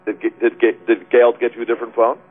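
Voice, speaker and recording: A man's voice: medium pitch, completely flat delivery, fast talker. A man hosting a call-in webcast, chatting casually with many fillers. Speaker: webcast host. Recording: tinny phone-line sound.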